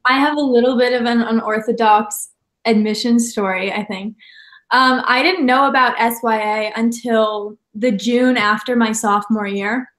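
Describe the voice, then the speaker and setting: A woman's voice: a little high, fairly even intonation, normal speed, a bit bright, reverberant. A teenage girl from Denver, chatty and often laughing as she tells her story on a video call. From Denver, Colorado. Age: teens. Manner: chatty, laughs between phrases. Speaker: alumna and high school student. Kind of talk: casual remote video call.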